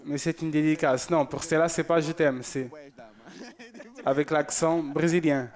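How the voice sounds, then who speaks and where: A man's voice: a little high, steady tone, unhurried. A man presenting a church show, chatting casually and joking as he reads out viewer messages.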